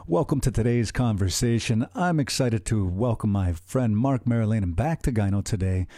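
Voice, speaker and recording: A man's voice: fairly low pitch, lively intonation, normal speed, mellow, no room sound, clean studio sound. A middle-aged man hosting a radio show, earnest and enthusiastic, talking in long rambling turns. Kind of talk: conversational radio interview.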